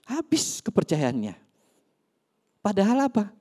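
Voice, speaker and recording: A pastor preaching a sermon in church, swinging between loud emphasis and soft asides. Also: male voice, high-pitched, huge pitch swings, a little slow.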